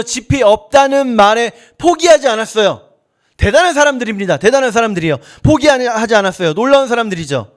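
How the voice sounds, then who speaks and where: A male pastor preaching a sermon, acting out little dialogues with God. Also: very high-pitched. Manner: preaching, acts out dialogues with God in shifting voices. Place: church.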